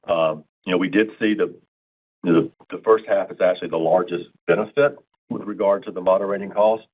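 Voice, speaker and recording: A man with a very low, rough-edged voice on a narrow phone connection. He answers as a finance executive, in measured, businesslike talk padded with small fillers. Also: steady tone. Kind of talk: earnings call answer. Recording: narrow phone-line sound.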